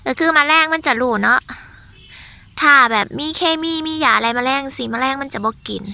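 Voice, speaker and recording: High bright chatty woman with an Isan accent. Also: moderate pace, vocal fry. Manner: chatty, exclaiming, addresses viewers directly. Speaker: vlogger touring her vegetable garden. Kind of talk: casual walking garden tour. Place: outdoor vegetable garden.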